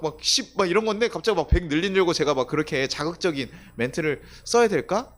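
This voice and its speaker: A male pastor giving a conversational sermon, asking the congregation questions and acting out quoted voices. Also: on the high side. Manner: conversational preaching with rhetorical questions; acts out quoted voices of children and God.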